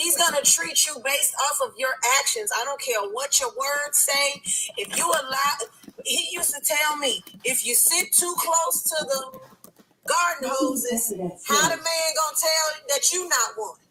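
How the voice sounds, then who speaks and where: Raising and projecting her voice, a woman speaks slowly at a high pitch with very wide pitch swings. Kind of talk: casual group discussion.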